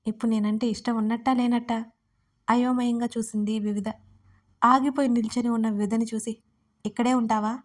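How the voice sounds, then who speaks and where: Even-voiced woman telling a romance. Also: on the high side, a little fast. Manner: even-toned reading, voicing both lovers' lines herself. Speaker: writer and narrator. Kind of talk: storybook narration.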